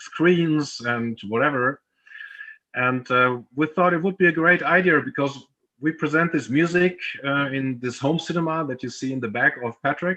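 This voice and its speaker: A man with a German accent speaks at a fairly slow pace in a fairly high pitch. His tone is bright and sharp, with ordinary pitch variation. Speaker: show co-host. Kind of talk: interview.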